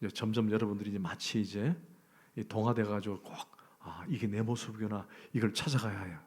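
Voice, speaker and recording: A man preaching a sermon as pastor. He questions the congregation directly and acts out their grumbling voices, dropping to hushed whispers and rising to loud emphasis. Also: lowish voice, fairly even intonation, a little fast, breathy edge.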